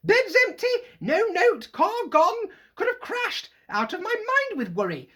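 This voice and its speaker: A teacher reading a children's novel aloud, voicing a short, plump, protective mother in a high, loud scolding voice. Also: very animated, a little fast. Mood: furious. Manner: shrill scolding, shouting.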